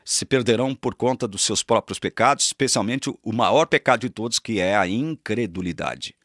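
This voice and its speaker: A man's voice: fairly low pitch, expressive, moderate pace, fairly bright tone, dry recording, studio quality. A man teaching Reformed doctrine, emphatic and repeating phrases for stress. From Brazil. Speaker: Reformed preacher.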